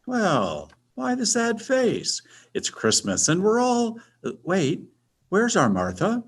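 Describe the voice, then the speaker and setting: A tender, humble Victorian father played by a man in a radio drama. His voice is husky and unhurried, with very wide swings of pitch and an earnest, devoted feel. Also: huge pitch swings, full character voice. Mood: cheerful. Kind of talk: radio play acting of a Victorian tale.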